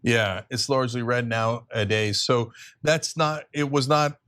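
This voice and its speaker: A man's voice: mid-range voice, measured pace, fairly bright tone. A middle-aged man hosting live election night coverage, explaining the early results to viewers with emphasis. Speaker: show host.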